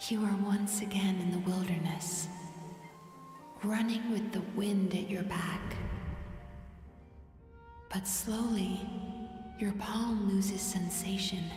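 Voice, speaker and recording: A gentle young dream therapist from a video game voiced by a woman guides a listener into hypnosis. Her delivery is slow, soft and breathy, meant to lull. The voice rings with long reverb over music. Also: medium pitch, close to an everyday voice. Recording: reverberant studio voice with music behind.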